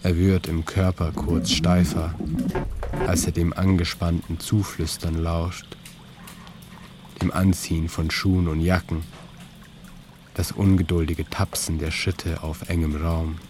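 A man calmly narrating a literary audio story in a slow, even third-person telling. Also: sits low. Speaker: author-narrator of an audio piece. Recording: clear ambient noise bed under the voice.

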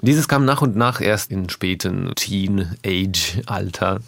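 A man from Russia, a native Russian speaker, talking as a musician guest in a radio interview, thoughtful and often pausing to find his words. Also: low-pitched, gravelly, a bit bright, no room sound. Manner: thoughtful, searching for words with pauses.

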